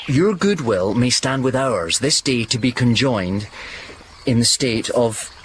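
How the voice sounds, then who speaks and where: A man's voice: mid-range voice, animated, measured pace, a little hiss or hum, lightly acted. A man playing a bashful young nobleman in a classic stage comedy, stammering and hesitating as he speaks. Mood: flustered. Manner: stammering, hesitant, with nervous laughs.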